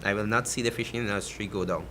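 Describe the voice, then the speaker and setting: A man's voice: on the low side, fairly even intonation, fast, noisy background. A man with a Guyanese accent speaks as a fishermen's representative on a talk show, emphatic and passionate.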